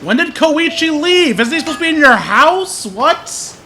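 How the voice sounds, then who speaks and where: A man's voice: extremely high pitch, very animated, normal speed, bright, forceful tone, soft background music. A man giving casual, joking live-stream commentary on a game, chatting to his viewers.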